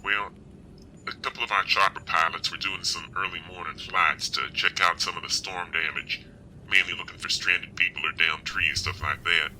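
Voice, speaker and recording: A man playing a folksy, matter-of-fact forest service officer in an amateur audio drama, speaking in a measured way. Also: low voice, steady tone, pushed and bright, slight background noise, low-quality recording. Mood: concerned, businesslike.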